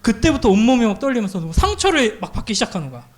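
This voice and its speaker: A man preaching to a youth group, telling a personal story in a lively way and acting out the voices of people in it. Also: very high-pitched, fast. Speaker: pastor.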